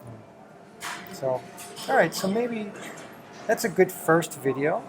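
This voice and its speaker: A man's voice: high-pitched, sing-song, slow, noisy background. A middle-aged man chatting casually and encouragingly with his teenage child as the host of a home video. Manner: encouraging, affirms often with "right" and "exactly".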